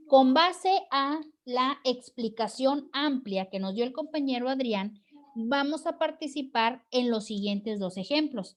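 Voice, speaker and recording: A woman teacher leading an online class discussion, encouraging students and tagging her points with "right?". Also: sits high. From Mexico. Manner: encouraging, frequent "¿verdad?" tag questions. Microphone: video call.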